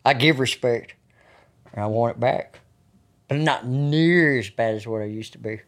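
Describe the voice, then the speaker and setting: A man's voice: mid-range voice, normal speed. A man in his early fifties with a rural American country accent, talking candidly and bluntly with plenty of swearing. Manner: blunt, profane, folksy drawled phrasing. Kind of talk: raw, candid talk.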